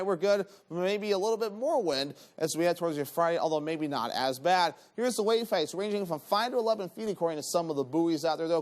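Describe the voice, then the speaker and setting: A man presenting an ad-libbed TV weather forecast. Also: sits high.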